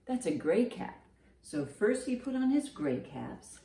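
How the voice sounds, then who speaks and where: A woman's voice: medium pitch, very animated, a little slow, gravelly, dark tone. A woman hosting a children's storytime, speaking expressively and putting simple questions to young listeners. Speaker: children's librarian and storytime host. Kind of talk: animated children's storytime read-aloud.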